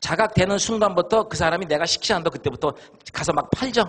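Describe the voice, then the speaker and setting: This man talks at a very fast pace in a high voice, with ordinary pitch variation. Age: 60s. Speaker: motivational speaker. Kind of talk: seminar talk.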